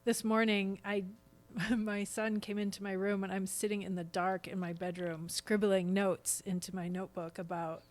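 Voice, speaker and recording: Medium in pitch and somewhat dark in tone, this middle-aged woman's voice moves little in pitch and keeps a moderate pace. A stage actor guesting on a podcast, she explains her points earnestly in a conversational interview.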